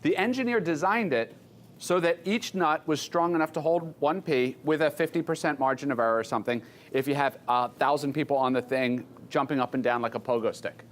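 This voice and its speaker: An American man teaching an engineering class informally, asking students quick questions and repeating their answers. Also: on the high side.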